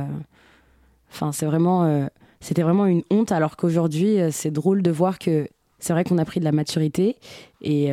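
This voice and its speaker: A young woman from Algeria answering interview questions in a hesitant way, with many pauses and restarts. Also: sits low, dark tone, no echo, studio quality. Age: young adult. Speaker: guest.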